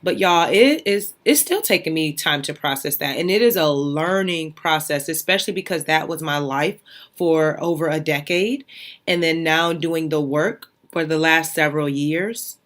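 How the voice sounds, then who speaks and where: A woman's voice: deep voice, moderate pace, a bit bright. A young adult woman hosting her own podcast, telling a personal story in a candid, conversational way with goofy, light-hearted asides. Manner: conversational and candid, frequent "right?" and "y'all". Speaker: podcast host.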